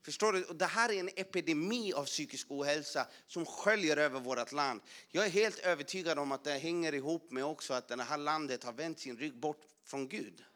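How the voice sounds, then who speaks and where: A man's voice: a little high, fairly bright tone. A man preaching a passionate testimony, talking with many restarts and fillers. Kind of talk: emphatic sermon testimony.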